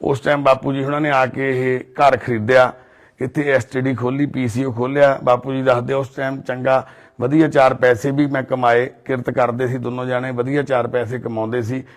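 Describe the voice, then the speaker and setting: A man's voice: medium pitch, little pitch movement, normal speed. A man with a Punjabi accent, narrating a family's story as a charity volunteer and earnestly consoling an elderly woman, in an outdoor residential colony. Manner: earnest, soothing, speaks of divine duty. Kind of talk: documentary narration and consoling talk.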